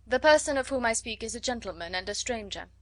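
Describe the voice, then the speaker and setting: A woman voicing a wry, teasing middle-aged gentleman who speaks in a calm, measured way in an audiobook. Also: a little high, no echo. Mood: dry. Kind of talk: audiobook character voice.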